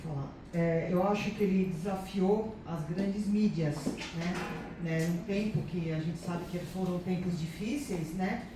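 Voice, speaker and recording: A woman's voice: on the low side, unhurried. Reflective woman, very echoey room. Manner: reflective, many tag questions. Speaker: reading circle participant. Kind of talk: casual remarks in a group meeting. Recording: echoey room from far off, noisy.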